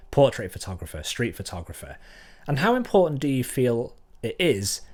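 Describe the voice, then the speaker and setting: A man from North Wales, a photographer talking to his viewers in a thoughtful, conversational way. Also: on the low side. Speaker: photographer and channel host. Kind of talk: reflective talk to camera.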